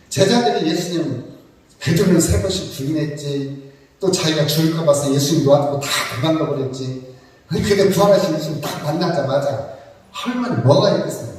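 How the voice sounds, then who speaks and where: A man's voice: a little high, a little mellow, a little hiss or hum. A man preaching a sermon, talking to the congregation conversationally with joking asides and rhetorical questions. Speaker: pastor. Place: church sanctuary. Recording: echoey church hall from far off.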